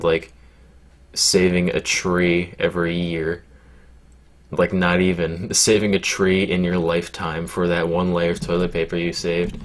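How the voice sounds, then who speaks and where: A man answering viewer questions in casual chat, deadpan and low-key, rambling with lots of fillers and swearing. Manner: deadpan, low-key, sounds glum by his own account.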